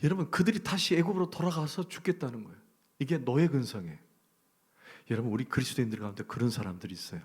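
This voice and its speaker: Korean pastor preaching, whispers to shouts. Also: male voice, mid-range voice, fast, slightly rough. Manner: swings from hushed whispers to loud shouted emphasis; acts out grumbling voices of churchgoers. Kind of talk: sermon.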